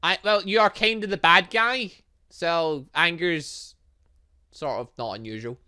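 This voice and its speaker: A man's voice: fairly high pitch, unhurried, pushed and bright, smooth. A man hosting a game playthrough, reading dialogue aloud and commenting in a theatrical, exclamatory way. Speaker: gaming video host.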